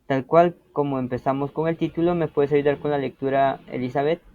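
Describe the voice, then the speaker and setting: A man's voice: fairly high pitch, fairly even intonation, a little fast, no echo, phone-quality sound. A man teaching an interactive language lesson, patiently explaining and often checking that students follow.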